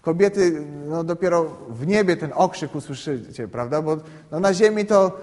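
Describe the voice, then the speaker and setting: A man explaining scripture to a group in a conversational, halting way, often checking in with the listeners and repeating words while he thinks. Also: fairly high pitch, a little mellow. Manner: conversational, keeps asking "right?" to check understanding. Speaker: Bible teacher. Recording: long reverb in a hall.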